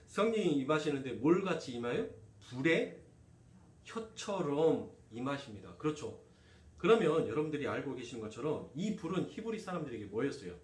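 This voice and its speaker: A man's voice: medium pitch, distant mic. A male pastor, preaching a sermon and firing rhetorical questions at his congregation. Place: church sanctuary. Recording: echoey room, voice off-mic.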